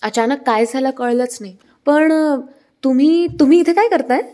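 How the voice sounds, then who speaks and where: A woman's voice: sits high, moderate pace, mellow, natural voice. A woman reading a pleading young nurse applicant. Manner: apologetic, pleading.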